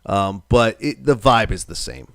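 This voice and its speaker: A man's voice: on the low side, expressive, unhurried, fairly bright tone, no room sound, studio quality. A man in his thirties from New England, hosting a live stream in casual, rambling chat, swearing now and then and reading viewer comments aloud.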